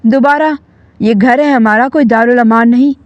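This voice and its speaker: A woman's voice: a little high, fairly even intonation, no echo, close to an everyday voice. A guilty young man answers, flustered and defensive, voiced by a woman narrator. The recording is dry. It is somewhat dull.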